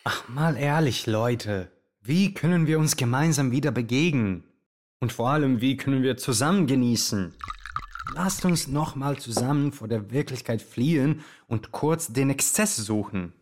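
A man's voice: medium pitch, expressive, normal speed, a little hiss or hum, natural voice. A man playing a showy, chatty Yugoslav radio host who charms and coaxes his listeners in a theatrical show. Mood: wistful, rousing.

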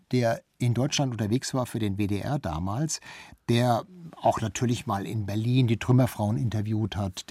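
A man's voice: lowish voice, darkish tone, slightly rough, no room sound. A man talking as a radio history expert, explaining archive recordings in a conversational interview style.

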